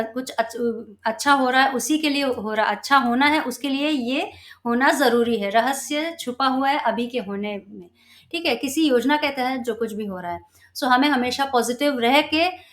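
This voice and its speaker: Woman telling a parable, slightly high voice. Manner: conversational, halting with fillers and self-corrections. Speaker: spiritual storyteller. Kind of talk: casual storytelling with a moral.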